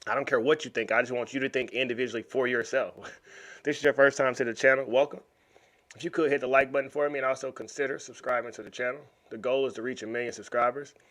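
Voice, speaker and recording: An American man hosts a YouTube reaction video, commenting casually and animatedly over the footage and often repeating or restarting words. His medium-pitched voice is a bit bright, fast, and fairly even in intonation.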